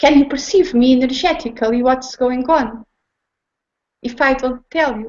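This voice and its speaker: A woman's high voice with a non-native accent, a moderate pace, ordinary pitch variation, and long, frequent pauses. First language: not English. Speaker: satsang participant. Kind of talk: spiritual dialogue. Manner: halting.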